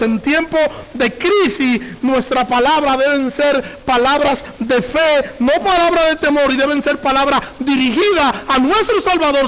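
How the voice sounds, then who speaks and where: A man with a strikingly high voice delivers a sermon as a pastor. He leans on repetition and rhetorical questions, and he reads scripture passages aloud. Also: fairly bright tone, rough recording.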